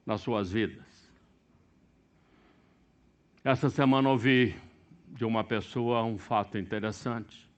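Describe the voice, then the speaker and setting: A middle-aged man from Brazil preaching a sermon, swinging between sudden loud, high bursts and quiet, low asides. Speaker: pastor.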